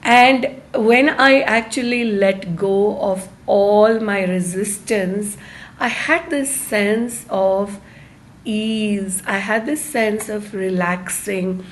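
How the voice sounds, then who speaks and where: A woman hosting a live online self-help talk, speaking to her viewers in a halting, deliberate way with stressed phrases. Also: mid-range voice. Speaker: host of a live-streamed self-help series.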